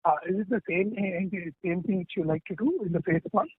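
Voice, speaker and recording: A man's voice: sits high, brisk, noisy background. A man with an Indian accent asking analyst questions on an earnings call, hesitant and often rephrasing. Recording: thin telephone line.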